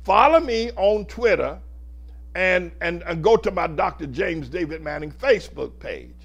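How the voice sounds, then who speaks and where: A man's voice: high-pitched, animated, unhurried, fairly bright tone, husky, highs cut off. Emphatic male pastor preaching. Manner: emphatic, builds repeated phrase lists. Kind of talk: preaching sermon.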